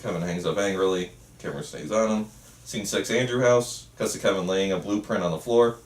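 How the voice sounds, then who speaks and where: Guy reading out stage directions, kinda low voice, echoey room. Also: brisk. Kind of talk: reading screenplay directions aloud. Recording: roomy, faint noise, distant mic.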